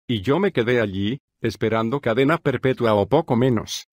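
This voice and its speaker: A man reading a translated lecture in the first person, with a steady, measured delivery. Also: mid-range voice, dry recording, studio quality. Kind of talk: translated lecture read as voice-over.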